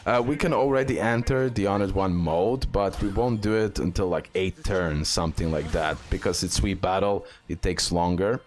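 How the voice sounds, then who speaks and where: A man's voice: deep voice, normal speed, few pauses. A man hosting a game guide and showcase, talking through it with some hesitant, repetitive phrasing. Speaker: gaming video host.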